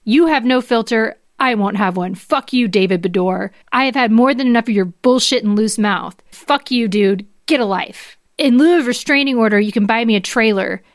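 A woman's voice: on the high side, normal speed, few pauses, no room sound, clean studio sound, lightly acted. A woman acting out an angry, scornful wife in a dramatic reading of furious, insulting text messages, with emphatic delivery.

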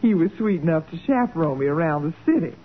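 An actress playing a coquettish, gushing young Southern belle with an American Southern accent in a 1940s radio drama. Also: female voice, deep voice, expressive, fast. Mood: charming. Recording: muffled, narrow-band old radio recording.

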